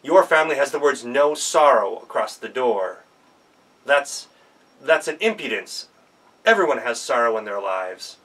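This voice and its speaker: Man acting a pompous, stern, loud mandarin. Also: medium pitch, very animated, unhurried, recorded from a distance, full character voice, rough recording. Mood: indignant. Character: pompous, offended male mandarin, a city official.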